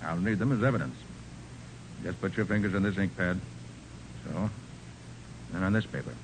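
An actor playing a brisk, confident male private detective in a 1940s radio crime drama. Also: sits low. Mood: authoritative. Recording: noisy 1940s radio recording.

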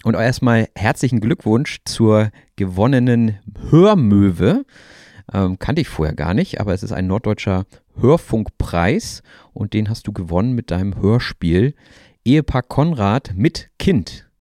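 A man hosting a German-language podcast for learners, speaking in a friendly, clear and measured way. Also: on the low side, expressive, mellow, no room sound, clean studio sound. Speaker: podcast host. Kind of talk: relaxed podcast interview.

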